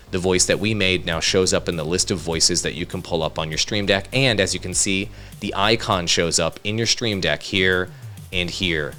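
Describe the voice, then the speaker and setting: Deep-voiced man hosting a software tutorial. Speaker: tutorial host, content creator. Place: home studio. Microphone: studio microphone.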